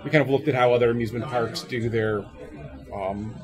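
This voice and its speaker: Male interview guest, mid-pitched, casual and tongue-in-cheek, echoey hallway with clear crowd chatter. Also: fairly even intonation, a little fast. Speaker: game developer guest being interviewed. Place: open convention hallway at a game table. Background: crowd noise from a convention.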